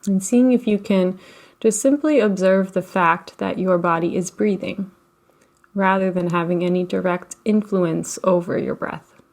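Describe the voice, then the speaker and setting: A woman with a fairly low, creaky voice gently guides a slow meditation, giving unhurried, soothing instruction with long pauses. She teaches guided relaxation and meditation.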